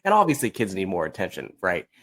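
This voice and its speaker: A man's voice: low voice, huge pitch swings, fast, fairly bright tone, a little hiss or hum. A man speaking as a podcast guest, telling anecdotes in a candid, casual way with a blunt, self-mocking manner and acting out quoted remarks.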